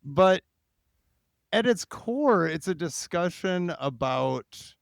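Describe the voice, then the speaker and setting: A man's voice: high-pitched, no room sound, clean studio sound. A man hosting a podcast interview in a casual, chatty way, thinking aloud as he goes. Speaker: podcast host.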